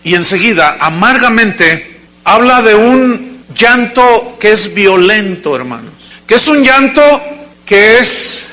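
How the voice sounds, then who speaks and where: A male pastor delivering a sermon to a congregation, with dramatic acted quotes and sudden shouts. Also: high-pitched, animated, takes it slowly. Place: church service before a congregation.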